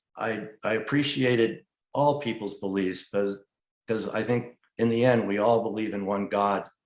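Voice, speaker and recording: This man's voice sits at a fairly low pitch. He keeps a moderate pace and fairly even intonation. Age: 60s. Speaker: mountain climber. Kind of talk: interview testimony. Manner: halting.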